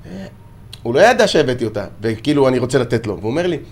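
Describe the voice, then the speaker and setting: A middle-aged man, a martial arts coach, guest in a casual interview, telling stories animatedly and acting out shouts and quotes. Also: medium pitch, sing-song, creaky.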